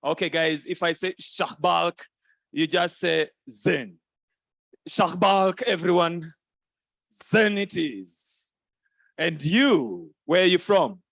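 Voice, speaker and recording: A man's voice: sits high, slow pace, vocal fry, long pauses, a bit bright, dry recording, clean studio sound. A man hosting a live youth event, playfully teaching the crowd greetings and repeating phrases back to them. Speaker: event host. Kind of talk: lively crowd interaction. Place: conference hall stage.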